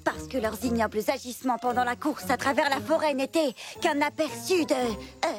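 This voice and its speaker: Woman doing a very high girly cartoon voice, big showy storyteller, music under it. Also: normal speed, natural voice. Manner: dramatic, boastful storyteller. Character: cheerful girl adventurer telling a tall tale. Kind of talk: cartoon dub narration.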